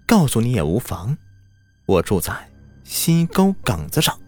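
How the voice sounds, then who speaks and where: A man's voice: mid-range voice, wildly swooping pitch, unhurried, a little mellow, faint music behind, full character voice. A man voicing a smug, haughty white fox spirit that has possessed a village wife, speaking in a sneering, mocking way. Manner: sneering, mocking, nasal snorts.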